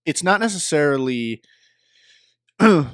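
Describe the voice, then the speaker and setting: A man's voice: on the high side, expressive, slow, a bit bright, smooth, no room sound, clean studio sound. A young man co-hosting a casual podcast chat over a remote call, thinking aloud in a loose, tentative way. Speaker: podcast co-host.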